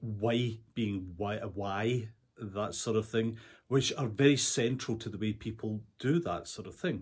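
Over a quiet background, a somewhat breathy man speaks in a Scottish accent with ordinary pitch variation. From Scotland. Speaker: linguistics professor. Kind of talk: interview answer. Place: office. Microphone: webcam.

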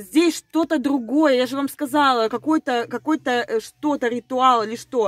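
A woman with a high pitch talks in an animated tone at a moderate pace, with hardly any pauses and ordinary pitch variation. The sound is dry with no echo, and the background is quiet. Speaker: video blogger. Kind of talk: casual vlog monologue. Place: car. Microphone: phone near.

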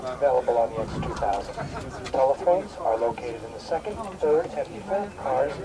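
Noticeable background noise is present. A man speaks at a moderate pace. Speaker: train staff announcer. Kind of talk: onboard announcement. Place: train.

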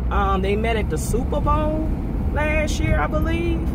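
A woman is heard over loud background noise, with a dry sound that has no echo. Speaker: vlogger. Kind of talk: casual vlog chat. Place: car. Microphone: phone near.

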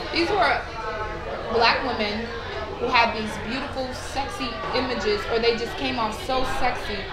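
Amid loud background noise, a woman with an American accent speaks at a moderate pace with long, frequent pauses. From US Midwest, Detroit. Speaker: reality TV personality and model. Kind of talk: interview. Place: bar.

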